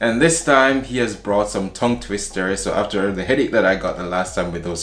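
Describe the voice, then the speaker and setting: A man's fairly low voice at a moderate pace amid noticeable background noise. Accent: Jamaican. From Jamaica. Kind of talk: casual talk to camera. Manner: easy-going, laughing.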